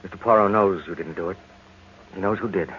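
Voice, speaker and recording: An actor playing a forgiving young husband, earnest and reassuring, in an old-time radio drama. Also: male voice, deep voice, brisk, husky. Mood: consoling. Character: soft-hearted, forgiving young husband, recovering from a wound. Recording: muffled, hissy old radio recording.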